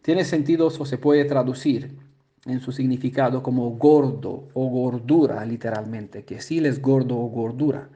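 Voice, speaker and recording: A man who speaks Spanish as a second language, explaining word meanings as a Bible teacher, pausing often with fillers and checking in with the listener. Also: medium pitch, warm tone, dull audio. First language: not Spanish. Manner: halting, many filler "eh" sounds and restarts, asks "¿no?" and "¿vale?".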